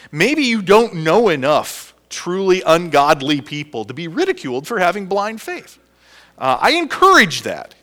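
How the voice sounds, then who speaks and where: A man preaches to his congregation in a bright, lively voice that climbs well above the usual male pitch. He quizzes his listeners as he speaks, and stumbles over restarts with plenty of "uh" fillers. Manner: animated, asks the congregation questions; hesitant restarts with many "uh" fillers. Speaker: pastor. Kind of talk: sermon with prayer and Bible reading.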